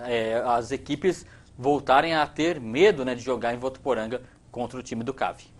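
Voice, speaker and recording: A man in his thirties from Brazil, a TV news anchor reading sports results in a relaxed, chatty way in a studio. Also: medium pitch, normal speed. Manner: relaxed, conversational, many fillers.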